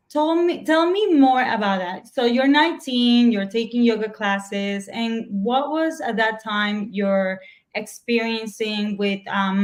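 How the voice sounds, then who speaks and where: A woman from the United States hosting an interview show, enthusiastic and encouraging toward her guest. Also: fairly high pitch. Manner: enthusiastic, encouraging, drawn-out prompts. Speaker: show host.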